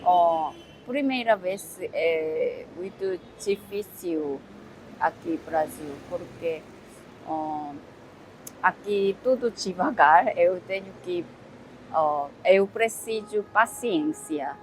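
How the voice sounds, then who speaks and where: A woman from South Korea with a Korean accent, answering interview questions in halting second-language speech, pausing often to search for words. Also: fairly low pitch, lively intonation, background noise.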